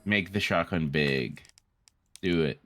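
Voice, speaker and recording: A man's voice: low-pitched, takes it slowly, fairly bright tone, soft background music. A man co-hosting a gaming session in casual chat, rambling, joking and swearing freely. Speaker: gaming co-host. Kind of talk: casual chat over gameplay.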